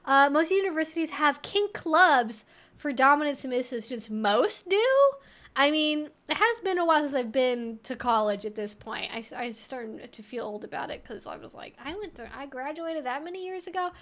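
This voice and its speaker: High-pitched young woman chatting casually. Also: animated, normal speed, a bit bright. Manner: rambling, informal, thinking aloud. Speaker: livestream host answering viewer questions. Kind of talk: casual livestream chat.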